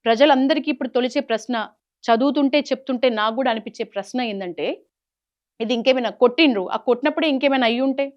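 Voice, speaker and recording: Fast-talking Telangana Telugu woman, high voice. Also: lo-fi sound. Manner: earnest, explanatory, mixes in English words. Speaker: news host and commentator. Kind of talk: phone interview and spoken news commentary.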